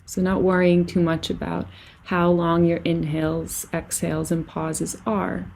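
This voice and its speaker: Female meditation guide, soft-toned and mellow with noticeable vocal fry, gentle and unhurried. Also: little pitch movement, a little hiss or hum. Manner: soothing, gentle, unhurried guiding with long pauses. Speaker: meditation and yoga teacher. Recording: lower-quality microphone.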